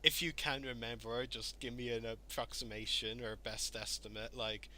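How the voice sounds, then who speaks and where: A man hosting a podcast interview, relaxed, asking long questions padded with fillers. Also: medium pitch, normal speed, slight background noise, rough recording. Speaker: podcast host. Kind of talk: casual interview.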